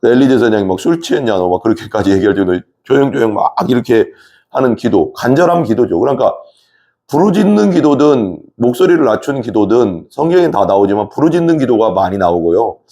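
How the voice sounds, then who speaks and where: A man preaching a Bible reading in a relaxed conversational way, asking his listeners questions and using frequent fillers. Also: medium pitch, fairly quick. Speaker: pastor. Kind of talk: Bible study sermon.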